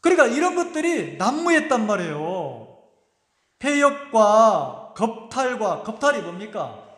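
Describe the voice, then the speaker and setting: In an echoey church hall with long reverb, a male pastor preaches emphatically from the sanctuary, peppering the congregation with rhetorical questions. His voice is high and a bit bright, unhurried, and swings widely in pitch.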